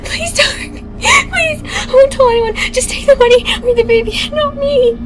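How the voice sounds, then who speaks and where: A woman's voice: lively intonation, moderate pace. A woman playing a hysterical young babysitter in a horror audio drama, tearful, panicked and pleading. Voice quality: shrill, tearful. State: crying. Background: music.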